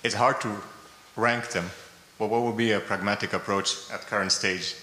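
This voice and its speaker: Bright-voiced man in an echoey hall. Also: fairly low pitch, fairly even intonation, moderate pace. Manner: hesitant, searching for words. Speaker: audience member asking a question.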